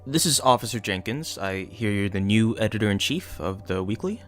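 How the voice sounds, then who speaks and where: Terse cop in a podcast drama, low voice that swings a lot, clipped, official. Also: male voice, expressive, normal speed, a bit bright, soft background music. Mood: businesslike, cryptic. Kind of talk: audio drama acting.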